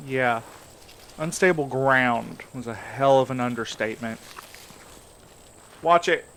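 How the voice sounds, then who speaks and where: Earnest search leader, determined, matter-of-fact, encouraging, average pitch, natural audio drama, slight background noise. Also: male voice, slow pace, fairly bright tone, poor audio. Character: earnest, determined man leading friends on a search.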